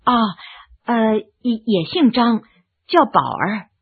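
A woman voicing a timid, poor young village wife who speaks softly and haltingly. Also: on the high side, very animated, vocal fry, husky, phone-quality sound, full character voice. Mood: timid, sad. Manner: halting, hesitant, soft-spoken.

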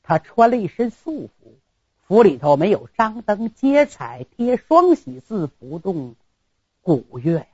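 Husky woman telling an old tale. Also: medium pitch, big pitch swings, a little slow, warm tone, no room sound, muffled recording. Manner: dramatic, sound words and asides to listeners. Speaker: storyteller. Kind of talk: traditional storytelling performance.

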